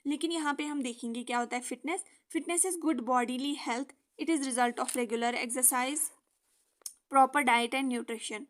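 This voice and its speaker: A young woman explaining a lesson for exam students in casual Hindi with English terms, often checking in with a quick "okay". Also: high-pitched, fairly bright tone. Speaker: exam-prep teacher.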